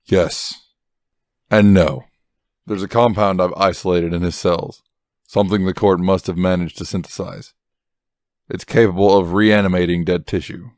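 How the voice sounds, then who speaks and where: A man's voice: low voice, steady tone, normal speed, pauses often, darkish tone, no room sound, studio quality. A man acting a grim, commanding masked vigilante detective in a radio drama, terse, stern and brooding. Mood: grim, analytical. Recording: music under the voice.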